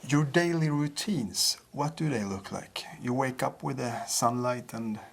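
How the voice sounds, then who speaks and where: Male interviewer, mid pitch, brief prompts and quick questions. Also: creaky.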